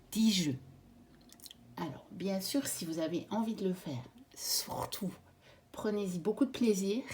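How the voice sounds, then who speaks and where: A woman born in Belgium hosts her own channel and walks through her favourite card decks. She speaks slowly and gently, with a husky, breathy tone and a middle pitch, pausing with small fillers between thoughts. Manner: gentle, measured, pauses with fillers. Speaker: tarot and oracle card channel host. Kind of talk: casual card deck presentation.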